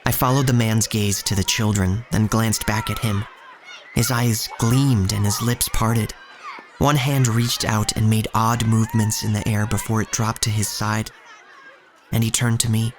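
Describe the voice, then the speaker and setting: A man's voice: lowish voice, steady tone, a little slow, a little hiss or hum, lightly acted. A man playing a wary young street thief who tells his own story as scripted audio drama narration. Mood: descriptive. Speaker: narrator and lead actor. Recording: music bed under the voice.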